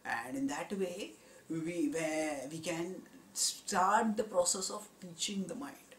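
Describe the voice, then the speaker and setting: A man giving a spiritual discourse on scripture, in a measured, explanatory teaching tone. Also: high-pitched, steady tone, fairly bright tone, a little hiss or hum. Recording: roomy echo.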